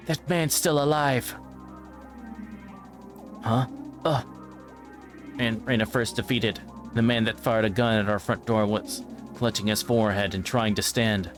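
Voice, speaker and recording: Low-voiced man narrating over music. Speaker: streamer reading a visual novel aloud. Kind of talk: narration read aloud from a visual novel. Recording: music behind the voice.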